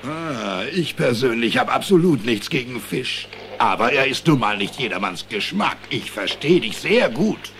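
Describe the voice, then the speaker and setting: An actor playing a wary, snippy animal passenger in an animated film radio play. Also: male voice, mid-range voice, moderate pace. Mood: confiding. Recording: clearly noisy ambient soundtrack.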